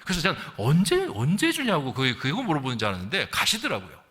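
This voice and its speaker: A Gyeongsang-born middle-aged pastor preaches quickly, his fairly high voice swinging hugely in pitch with a pushed, bright quality. The sermon is anecdotal and conversational, with rhetorical questions and quotes he acts out. It was captured in a large church hall with long, reverberant echo.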